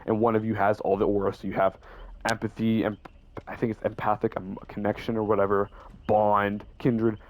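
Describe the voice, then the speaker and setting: A young man who makes YouTube gaming videos casually walks through his game builds in a brisk, lowish voice with little pitch movement. He rambles, stutters, and keeps correcting himself along the way.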